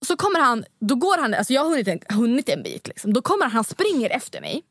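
A woman's voice: fairly high pitch, no room sound, studio quality. A young woman hosting a podcast, telling a story casually and animatedly, full of fillers. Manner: animated, acts out quotes, many fillers. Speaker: podcast host.

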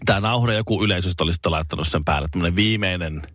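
A man's voice: no echo, studio quality. A man co-hosting a casual chat show, telling stories with lots of fillers and sudden comic voices. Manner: animated storyteller, hesitant fillers, jumps into high comic voices. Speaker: podcast co-host.

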